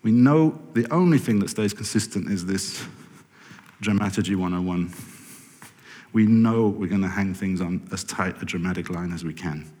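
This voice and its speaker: A podcast producer gives a conference talk in a lecture hall, his low, darkish voice moving at normal speed through the reverberant space. He rambles and corrects himself before the audience, tossing in wry asides.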